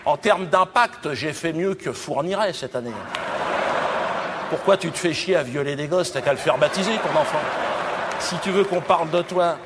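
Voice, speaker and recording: A man from Cameroon performing a provocative stand-up monologue on a theater stage, breaking into loud exclamations. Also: on the high side, moderate pace. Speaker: stand-up comedian. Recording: noisy live show recording.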